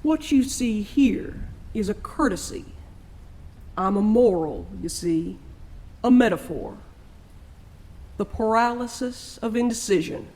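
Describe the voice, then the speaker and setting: A performer playing a smug, theatrical spirit who speaks in deliberate, cryptic pronouncements in an audio drama. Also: medium pitch, lively intonation, darkish tone. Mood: smug, ominous. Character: smug, theatrical otherworldly spirit, a stranger at the crossroads.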